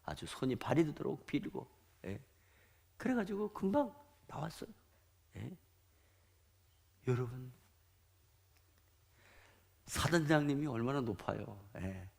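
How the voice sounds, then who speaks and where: A middle-aged male pastor preaching a sermon, telling stories in an animated way that swings between loud outbursts and quiet asides. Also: mid-range voice, slow, gravelly, long pauses, slightly rough.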